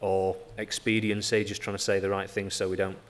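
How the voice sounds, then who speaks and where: A man with a Yorkshire accent giving a conference lecture, halting with frequent ums and a self-deprecating manner. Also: low voice, flat delivery. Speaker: conference speaker. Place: lecture hall. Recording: lecture hall reverb, faint ambience.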